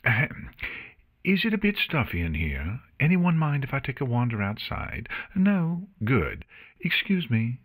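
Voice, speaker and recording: A man's voice: mid-range voice, sing-song, a little slow, slightly rough, pitched above the performer's own voice. A man voicing a cheeky, chatty young female pony paladin in a fantasy audiobook, flippant and awkward. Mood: awkward, polite.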